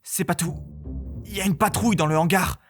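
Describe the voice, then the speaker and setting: A man's voice: sits high, a little fast, pitched above the performer's own voice, lightly acted. A man voicing a determined, impatient young male space adventurer in informal, insistent visual novel dialogue. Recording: music bed under the voice.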